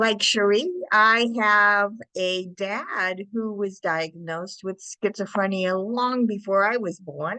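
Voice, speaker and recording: Speaking with a New England accent, a woman has a medium pitch and fairly even intonation. Her pace is very slow. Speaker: family support program director. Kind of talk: webinar presentation.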